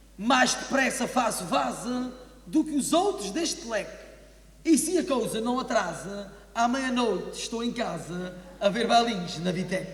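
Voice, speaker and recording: Over noticeable background noise, a man speaks at a fairly slow pace with an extremely high pitch and very wide pitch swings. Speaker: carnival monologue performer. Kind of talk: rhymed comic monologue to a live audience.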